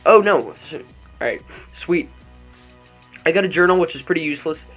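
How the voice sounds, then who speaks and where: A man's voice: a little high, fairly even intonation, moderate pace, fairly bright tone. A young man hosting a let's play, chatting and joking over the game with lots of ums, into a desk microphone. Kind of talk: gameplay commentary. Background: faint background music.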